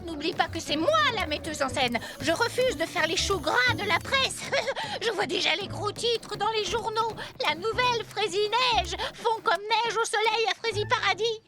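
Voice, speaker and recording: A very high, girlish cartoon voice, theatrical and demanding. She sounds like a self-important little stage director giving grand orders. Clear music plays behind her. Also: expressive, moderate pace, hardly any pauses. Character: bossy, ambitious young girl directing a children's play. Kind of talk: animated children's cartoon dub.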